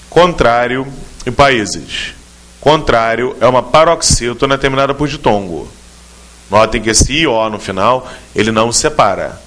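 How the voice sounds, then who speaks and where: A man's voice: medium pitch, a bit bright. A man with a Brazilian Portuguese accent teaching a grammar question in an exam-prep video lesson, explaining step by step and speaking straight to the student. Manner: clear, methodical explanations addressing the student directly.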